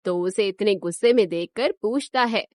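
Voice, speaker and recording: A woman giving scripted narration for a cartoon moral story in an even storytelling manner. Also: medium pitch, moderate pace, dry recording.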